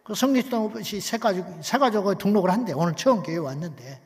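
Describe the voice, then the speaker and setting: A man with a high-set voice delivers a sermon as a pastor, pushing hard on key lines and pulling back to a hush. His words ring out with a long tail of reverb, as in a large church sanctuary. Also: expressive, quick pace. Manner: emphatic, swings from hushed to loud, rhetorical questions.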